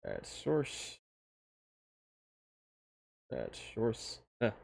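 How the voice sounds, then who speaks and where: A man streaming casual commentary on his own fictional characters, halting and often restarting his phrases as he explains. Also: mid-range voice, wildly swooping pitch, vocal fry, a little mellow.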